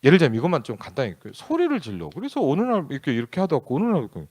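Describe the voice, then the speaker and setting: A man's voice: fairly high pitch, wildly swooping pitch, very fast, a little mellow, husky, no echo. A male pastor preaching in a candid, conversational storytelling way, acting out bits of dialogue as he tells a family story. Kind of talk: storytelling sermon.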